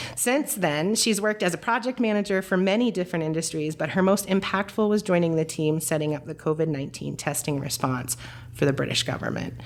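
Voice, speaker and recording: Over noticeable background noise, a woman with a fairly low voice talks at a very fast pace with lively intonation and hardly any pauses. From Maine, Down East. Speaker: podcast host, chamber of commerce president. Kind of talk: podcast interview. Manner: conversational.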